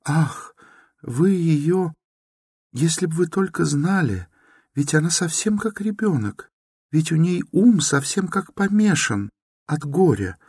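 A man voicing a timid, meek young woman who pleads softly and grows breathless in distress. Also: mid-range voice, slow, husky, no room sound, studio quality, voice pushed up.

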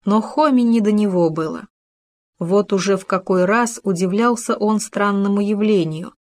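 A woman narrating a children's story in a calm, even storytelling manner. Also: medium pitch, moderate pace. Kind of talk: audiobook story reading.

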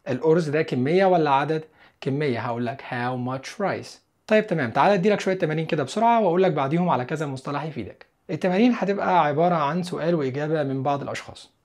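A man with an Egyptian Arabic accent teaching an English grammar lesson, asking the listener questions and answering them himself, and repeating English examples slowly. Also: on the high side, darkish tone. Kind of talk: explanatory lesson.

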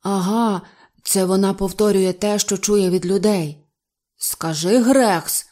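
A woman's voice: medium pitch, slow, mellow, close to an everyday voice. A woman voicing a meek, flustered male zookeeper who apologizes and mumbles.

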